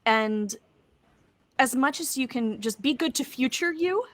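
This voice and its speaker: A woman's voice: sits high, animated, a little slow, no room sound. A woman speaking casually as a panelist, giving practical advice with emphasis. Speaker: panelist, voice actor and writer.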